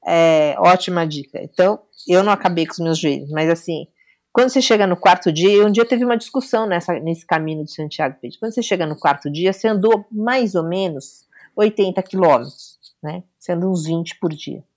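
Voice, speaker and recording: A woman's voice: lowish voice, fairly quick. A middle-aged woman, a guest telling a personal story casually and acting out the dialogue. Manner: animated, acts out quoted dialogue.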